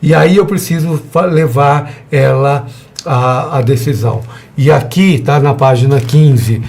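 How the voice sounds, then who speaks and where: In this church seminar lesson, a man with a gravelly, slightly dark voice of medium pitch teaches an evangelism class at a measured pace. He keeps it conversational, acting out short dialogues with the people he's addressing.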